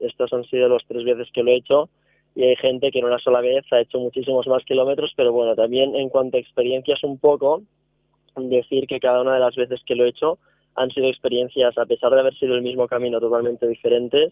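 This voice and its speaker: A man talks at a very fast pace with medium pitch. His intonation is monotone and flat. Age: 20s. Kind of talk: testimony. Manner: cheerful.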